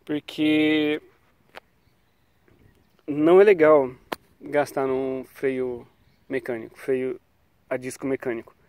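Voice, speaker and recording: A man's voice: medium pitch, little pitch movement, slow, pauses often, darkish tone, clear, resonant tone. Chatty man with a cold. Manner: chatty, loose, trails off with "tá?" and "né?". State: has a cold. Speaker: cycling vlogger. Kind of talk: casual talk to camera about bike brakes. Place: outdoors on a quiet paved road. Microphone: action camera on the bike.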